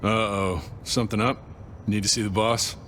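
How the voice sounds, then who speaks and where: Man acting an amiable low-voiced bouncer. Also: steady tone, moderate pace, a bit bright, a little hiss or hum, natural voice. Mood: amused, casual. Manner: casual, plainspoken. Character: amiable, wry male nightclub bouncer. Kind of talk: noir video game dialogue.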